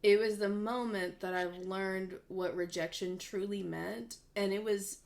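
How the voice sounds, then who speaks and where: Upbeat young woman with a gravelly edge. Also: medium pitch, fairly even intonation, unhurried. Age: 20s. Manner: upbeat, earnest storytelling. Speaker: voice actress and guest. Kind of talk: casual interview chat.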